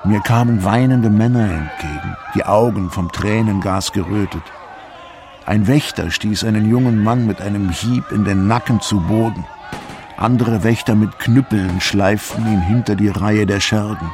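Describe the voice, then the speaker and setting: An actor playing a troubled, indignant early Christian disciple in a literary radio drama, speaking solemnly and deliberately in archaic, declamatory phrases. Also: male voice, on the low side, background noise, natural voice. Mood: grave, bitter. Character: troubled, indignant early-Christian disciple writing bitterly to his revered elder.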